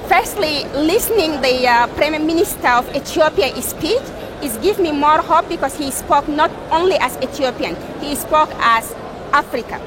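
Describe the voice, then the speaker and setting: A woman from Chad, an indigenous delegate, speaking earnestly and hopefully in a street interview. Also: high-pitched. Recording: outdoor noise.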